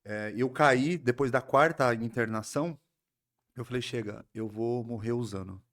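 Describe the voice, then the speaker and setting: Um homem, convidado de um podcast, conta com seriedade e reflexão sua história de recuperação, com sotaque do interior paulista e muitas pausas e recomeços. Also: male voice, mid-range voice, a bit bright. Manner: earnest, reflective storytelling with frequent restarts. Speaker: psychoanalyst guest. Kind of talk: personal recovery story in a podcast interview.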